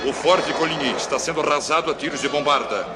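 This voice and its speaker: A man's voice: fairly high pitch, quick pace, heavy background noise, lightly acted. A man playing an urgent war correspondent reporting formally and dramatically in a 1960s radio dramatization. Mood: dramatic, urgent. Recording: old radio recording with loud music behind.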